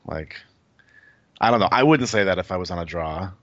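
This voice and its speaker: A man's voice: low-pitched, expressive, brisk, a bit bright, no echo, lo-fi sound. A man appearing as a guest, analyzing poker strategy casually and thinking aloud with many "like"s.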